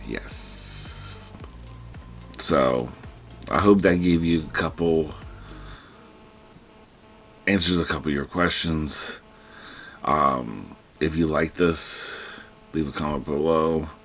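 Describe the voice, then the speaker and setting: A man's voice: very deep voice, slow pace, long pauses, a bit bright, soft background music. A man vlogging a personal story in casual, rambling storytelling, breathing heavily. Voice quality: heavy breathing. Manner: rambling, restarts, quotes himself in panicked whispers.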